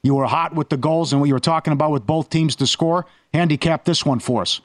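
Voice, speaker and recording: A man's voice: fairly high pitch, fast. A man hosting a sports betting show, telling stories in casual banter and often restarting his sentences. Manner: animated storytelling with repeated restarts. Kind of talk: casual banter, then ad read.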